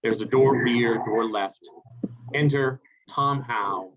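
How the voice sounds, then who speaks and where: A man's voice: mid-range voice, takes it slowly, background noise. A man reading stage directions as scripted narration for a play, over a video call. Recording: dull video call audio.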